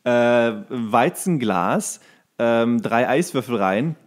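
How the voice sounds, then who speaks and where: A man with a medium-pitched voice co-hosts a casual podcast. He tells anecdotes in colloquial, slangy speech, as he would among friends. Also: animated, slow. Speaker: podcast co-host.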